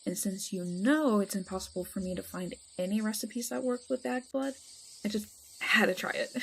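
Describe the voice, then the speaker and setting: A woman's voice: medium pitch, moderate pace, gravelly, slight background noise, natural voice, rough recording. A woman playing a chatty, teasing, affectionate vampire friend in a casual roleplay audio drama. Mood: excited, chatty.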